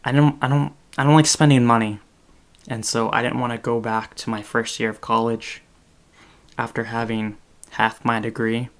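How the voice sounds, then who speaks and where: Talking at normal speed with a flat, medium-pitched delivery, a man in his twenties hosts a podcast via video call. He rambles casually from a small indoor room, full of fillers and self-corrections.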